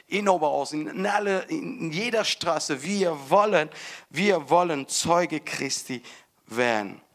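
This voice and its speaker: A man delivers a sermon with fervent emphasis, swinging from loud bursts to hushed storytelling. His voice sits a little high and sounds bright and forceful, and he talks slowly, often restarting and repeating words. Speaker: preacher.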